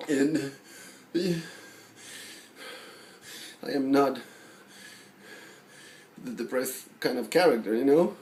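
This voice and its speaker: A man performing a monologue as a neurotic, self-deprecating, lovelorn forty-year-old who rambles haltingly. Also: mid-range voice, a little mellow, natural voice. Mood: distraught. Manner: halting, rambling, full of fillers and restarts. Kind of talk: dramatic film monologue acting. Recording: roomy echo with faint background noise.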